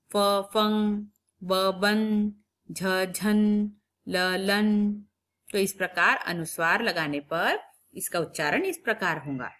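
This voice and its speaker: A woman teacher giving a recorded phonics lesson to young children. She repeats every word and sound slowly and clearly, and stops to ask the children questions. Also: medium pitch, fairly bright tone. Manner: patient, questions the children directly. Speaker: primary school teacher.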